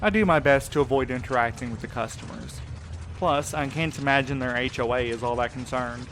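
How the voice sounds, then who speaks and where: A man's voice: medium pitch, a little fast, fairly bright tone, slight background noise, close to an everyday voice. A man acting in an audio drama as a jaded, laid-back night courier with a casual, sarcastic way of talking. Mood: dry, teasing. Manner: casual, wry. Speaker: voice actor in a fiction podcast.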